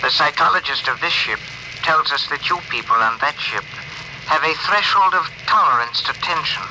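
Guy doing a polite stiff-talking alien, kinda high voice, old radio hiss. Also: animated, normal speed, lightly acted. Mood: solemn. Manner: stiff, oddly phrased formal speech. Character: formal, gentle male alien ship communicator. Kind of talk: 1950s radio drama acting. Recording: hissy old radio broadcast.

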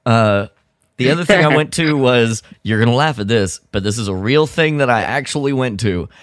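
A man with a mid-pitched, highly animated voice co-hosts a podcast. He tells stories casually, with wry amusement, in a dry recording free of room echo. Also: fairly quick. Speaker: podcast co-host. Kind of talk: casual anecdotal chat.

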